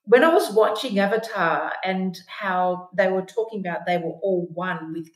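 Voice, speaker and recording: A woman with an Aboriginal Australian way of speaking, talking in measured, short repeated phrases as a podcast guest. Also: medium pitch. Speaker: guest, First Nations speaker. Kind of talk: conversational podcast interview. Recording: roomy, echoey room sound.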